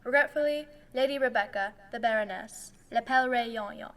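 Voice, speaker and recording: A woman's voice: a little high, fairly quick, fairly bright tone, a little hiss or hum, natural voice. A woman playing a regretful Renaissance court messenger, announcing in formal, olde-time courtly speech for a faire role-play.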